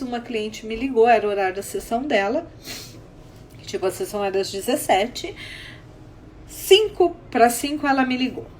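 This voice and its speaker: A woman therapist, retelling stories from her sessions in a lively live talk, acting out the dialogue and often checking in with the listener. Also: on the high side, a little hiss or hum. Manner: animated retelling with acted dialogue and frequent checks like "tá?". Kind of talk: Instagram live talk with anecdotes.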